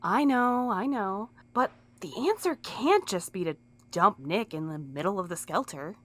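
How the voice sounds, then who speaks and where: A female voice of middle pitch, swinging widely, an actress as an anxious, conscientious young woman in an audio drama. She sounds earnest and emotional, always half pleading. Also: animated, unhurried.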